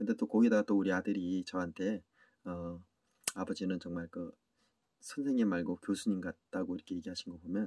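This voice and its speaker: Recorded very cleanly, dry and close with a silent background and no echo, a man speaks at a fairly quick pace. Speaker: Bible reader. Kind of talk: scripture reading with commentary.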